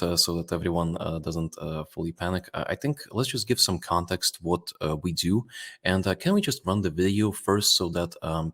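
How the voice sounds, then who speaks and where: A man in his thirties from Latvia with a Latvian-Russian accent, presenting company results to investors in a relaxed way with many fillers. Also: low voice. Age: 30s.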